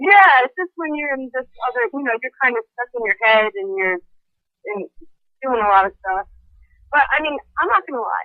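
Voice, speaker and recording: Pitched high, a woman with an American accent swings very widely in pitch and leaves long, frequent pauses. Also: moderate pace. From New York, Brooklyn. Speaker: singer-songwriter. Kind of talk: interview. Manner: animated.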